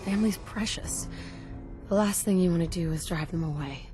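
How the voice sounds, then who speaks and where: A woman playing a protective, earnest family woman in a video game, soft-spoken and sincere. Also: fairly low pitch, normal speed, close to an everyday voice. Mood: tender, sombre. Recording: game clip under music.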